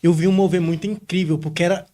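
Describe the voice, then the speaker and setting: A man speaking as a podcast guest in a relaxed, reflective casual chat. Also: high-pitched, quick pace.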